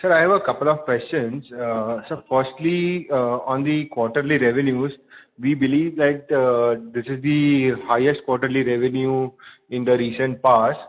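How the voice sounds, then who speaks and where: A man's voice: medium pitch, fairly even intonation. Polite man on a phone line. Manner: polite, halting. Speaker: investor asking questions. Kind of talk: earnings call questions.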